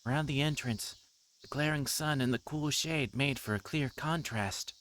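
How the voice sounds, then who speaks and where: A man's voice: medium pitch, normal speed, fairly bright tone, a little hiss or hum. A man on a livestream reading a visual novel aloud and adding casual commentary. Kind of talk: livestream game read-along with casual commentary.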